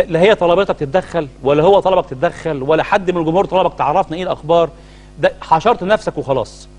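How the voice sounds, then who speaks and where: A middle-aged Muslim cleric with an Egyptian Arabic accent co-hosts a studio talk show, delivering heated commentary full of indignant rhetorical questions. His voice is on the high side with a darkish tone.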